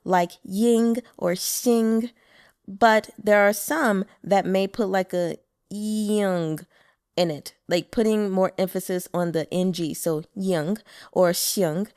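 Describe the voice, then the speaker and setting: Woman narrator, casual and chatty, explaining words between chapters; dry, mid-pitched read. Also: steady tone, slow pace, darkish tone, smooth, no room sound. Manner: chatty, explains Mandarin terms, laughs often. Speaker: audiobook narrator.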